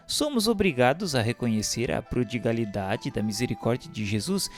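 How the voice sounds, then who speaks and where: A Brazilian man giving a solemn, scripted spiritual narration in a formal, measured, declamatory way. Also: medium pitch. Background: instrumental music.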